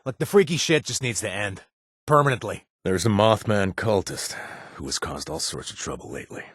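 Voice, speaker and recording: Game companion, male, young adult, wisecracking mercenary, animated delivery, dry studio read. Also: fairly low pitch, fairly quick, slightly rough, no room sound. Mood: casual. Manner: casual, joking, with filler "uh"s. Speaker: quest-giving companion. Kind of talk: video game voice acting. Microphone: dry studio recording.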